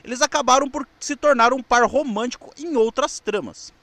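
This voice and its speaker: A Brazilian man presenting scripted narration on television history, reading in a somewhat halting way with small stumbles. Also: very high-pitched, sharp tone, no room sound.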